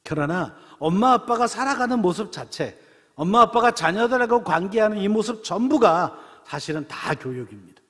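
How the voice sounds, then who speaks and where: Casting: middle-aged man from Seoul, pastor, animated storytelling sermon, husky voice in a long-reverb sanctuary. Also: sits high, normal speed. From Seoul, South Korea. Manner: chatty storytelling with rhetorical questions. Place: church sanctuary.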